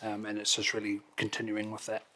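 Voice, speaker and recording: A man's voice: lowish voice, completely flat delivery, a little fast, sharp tone. A man with a New Zealand accent, a council officer, answering councillors' questions in a plain explanatory way with some fillers.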